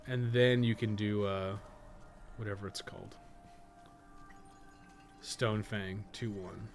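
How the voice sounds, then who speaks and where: A man's voice: fairly low pitch, fairly even intonation, slow, soft background music. A man giving casual gaming commentary, thinking aloud in a rambling, profane way with joking asides. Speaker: podcast co-host playing a video game.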